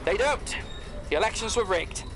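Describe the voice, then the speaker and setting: A man's voice: high-pitched, expressive, normal speed, fairly bright tone, slight background noise. An actor playing a polite, loyal clockwork man who explains things formally in an audio drama. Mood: matter-of-fact. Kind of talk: scripted audio drama acting.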